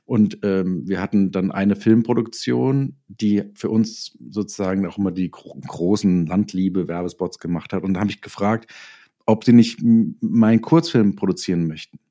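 Male interview guest, lowish and very relaxed, dark timbre, telling anecdotes conversationally with quoted dialogue. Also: normal speed. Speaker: interview guest, writer and audio drama producer.

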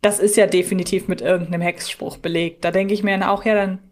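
A woman's voice: medium pitch, flat delivery, fast, darkish tone. A woman co-hosting a podcast, reasoning aloud and raising questions in a casual, analytical chat. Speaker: podcast co-host.

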